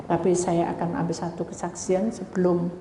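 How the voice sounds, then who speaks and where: A woman's voice: lowish voice, moderate pace. Woman preaching in an echoey hall. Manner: animated storytelling, often addressing listeners as "brothers and sisters". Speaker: pastor. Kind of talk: sermon with personal testimonies. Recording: echoey hall with long reverb, faint noise.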